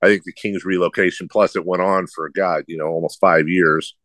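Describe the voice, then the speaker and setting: A man's voice: low-pitched, fairly even intonation, a little fast, fairly bright tone, no echo, clean studio sound. A middle-aged man who hosts sports radio, with a slight lisp and a nasal, droning voice, answering interview questions in a rambling, self-deprecating way.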